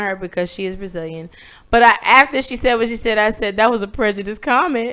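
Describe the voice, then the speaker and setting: A woman's animated, bright and sharp voice, fairly high in pitch, on a very clean recording with a silent background. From US. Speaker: podcast co-host. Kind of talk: casual chat.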